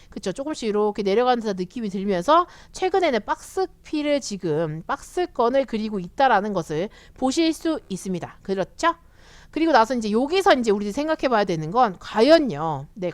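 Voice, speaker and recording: Chatty woman teaching the stock market, fairly high and very expressive voice, acts out quotes. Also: no room sound. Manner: chatty, animated, acts out quotes of eager retail investors. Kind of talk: casual explanatory lecture.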